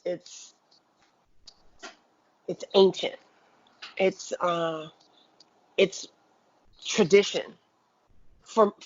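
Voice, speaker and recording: A woman speaking as an interview guest, reflective and deliberate, repeating phrases for emphasis. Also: mid-range voice, muffled recording.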